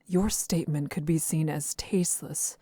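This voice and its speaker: A woman's voice: low voice, steady tone, moderate pace, dark tone, breathy edge, dry recording. An actress playing a composed, reserved young woman traveler in a visual novel, speaking formally and with restraint. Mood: quietly reproachful.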